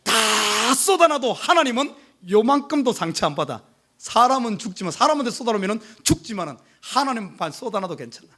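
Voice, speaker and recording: A male pastor preaching to his congregation, emphatic, with many rhetorical questions, swinging from urgent pleas to hushed asides. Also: very high voice, very animated, a little fast. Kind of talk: sermon. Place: church service.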